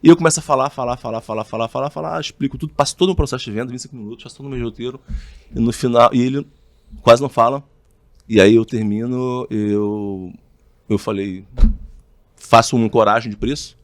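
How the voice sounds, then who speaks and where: A man's voice: medium pitch, fast talker, dry recording. A man telling a sales story as a podcast guest, acting out both sides of the conversation. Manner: animated, acts out both sides of dialogues. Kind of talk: casual storytelling in an interview.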